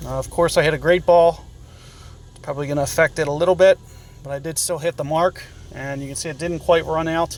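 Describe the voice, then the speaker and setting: Over noticeable background noise, a man with an American accent talks at a fairly quick pace in a fairly high, monotone, flat voice. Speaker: mobile game streamer. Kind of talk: live gameplay commentary. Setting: live stream. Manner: casual, with filler hesitations.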